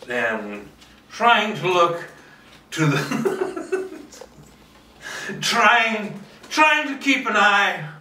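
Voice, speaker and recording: A man's voice: medium pitch, pushed and bright, a little hiss or hum. A man thinking aloud in a casual, rambling solo monologue, playfully boastful and talking to himself with some swearing. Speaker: filmmaker doing a solo table read. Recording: echoey room, distant microphone.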